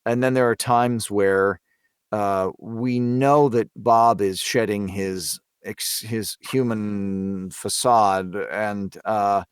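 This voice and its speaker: A man talking casually and thoughtfully about voice acting, pausing to search for his words. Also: lowish voice, steady tone, clear, resonant tone, dry recording, clean studio sound. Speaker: voice actor on a horror audio drama. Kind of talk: casual behind-the-scenes discussion.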